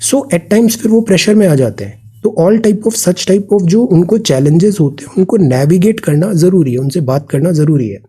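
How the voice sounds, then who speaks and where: A man with a fairly high, warm voice and a breathy edge teaches a current affairs exam prep lesson. Mixing Hindi and English in an Indian English accent, he explains words, drills pronunciation and asks his students questions.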